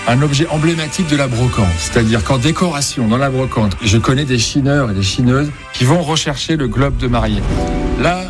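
A man's voice: medium pitch, brisk. Enthusiastic male antiques dealer, faint music. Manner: enthusiastic, explanatory. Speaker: antiques shop owner. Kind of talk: radio chat about antiques.

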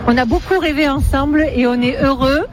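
A woman's voice: high voice, a little fast, crowd noise. Composed woman mayor being interviewed. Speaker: town mayor. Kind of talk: interview answers.

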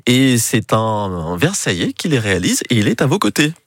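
A man's voice: medium pitch, big pitch swings, moderate pace, fairly bright tone, no echo, clean studio sound. A man presenting a morning radio show, upbeat and announcing traffic and the next segment. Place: radio studio.

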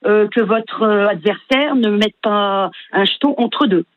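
An older woman from northern France with a northern French accent, calling in to a radio show, friendly and hesitant with many pauses. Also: mid-range voice, phone-quality sound, background noise. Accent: northern French (Flemish area). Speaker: caller.

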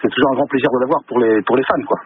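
A man's voice: mid-range voice, fairly even intonation, racing. Caller in his sixties, hesitant, tinny phone line with noise behind. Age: 60s. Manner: hesitant, many restarts and fillers. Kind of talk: phone-in conversation.

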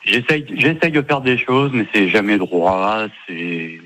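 A man's voice: lowish voice, slow pace, background noise. A man with a French accent chatting casually as a contestant on a game show. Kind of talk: casual chat.

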